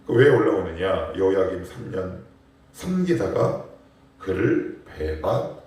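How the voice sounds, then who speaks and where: A man, a pastor, preaching at a morning prayer service, animated and emphatic, with rhetorical questions to the congregation. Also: sits low, a little slow. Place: church sanctuary. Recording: echoey church hall, mic at a distance.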